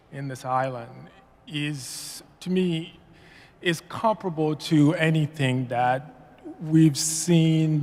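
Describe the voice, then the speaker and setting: A man from Haiti giving public comment at a meeting, halting and full of fillers and restarts. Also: fairly high pitch, darkish tone. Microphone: podium mic. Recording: long reverb of a meeting hall.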